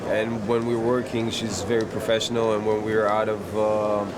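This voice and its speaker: A male actor chatting in a festival interview, halting often and laughing easily. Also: on the low side, flat delivery, crowd noise, rough recording. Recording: loud outdoor traffic noise.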